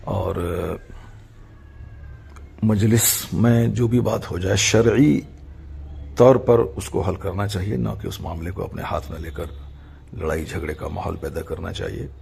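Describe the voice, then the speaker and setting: Middle-aged male cleric, low-pitched with heavy creak, solemn and halting formal address, faintly noisy amateur audio. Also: a little mellow. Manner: measured, halting phrasing with formal Urdu religious vocabulary.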